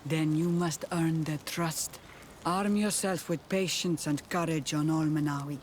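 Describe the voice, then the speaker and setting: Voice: medium pitch, steady tone, measured pace, darkish tone, slight background noise, close to an everyday voice. An actor playing a solemn, mystical tribal seer, grave and wary, with formal, weighty phrasing in a fantasy game. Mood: grave, stern. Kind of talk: fantasy video game cutscene acting.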